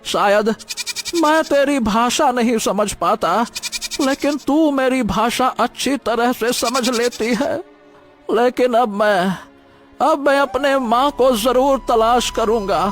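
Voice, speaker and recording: A high-voiced, troubled old beggar. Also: male voice, slow pace, a bit bright, soft background music, heavily acted. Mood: bitter. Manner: pleading, hesitant, anguished. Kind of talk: cartoon story voice acting.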